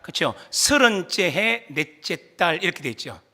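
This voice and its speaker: A male pastor with a very high, ringing bright voice delivers an animated sermon. He questions the congregation, leads them in reading aloud, and pushes up into shouts when he stresses a point. His pitch swings widely as he preaches. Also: measured pace.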